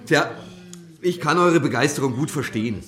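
An actor playing an environmental activist who lectures youth campers, explaining things in a wry, opinionated way. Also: male voice, fairly high pitch, animated, normal speed, echoey room, lightly acted. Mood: friendly. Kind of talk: radio crime drama, lecture to a group.

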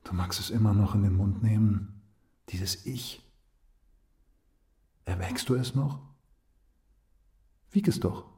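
An actor playing a calm, stern and rational male companion in a literary radio drama, measured and admonishing. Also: fairly low pitch. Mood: calm, probing.

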